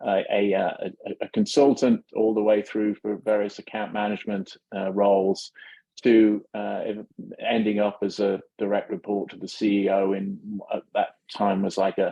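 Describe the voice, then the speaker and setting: At a moderate pace, a man speaks with a British accent. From UK. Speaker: company CEO. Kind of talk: podcast interview. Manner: halting, many fillers.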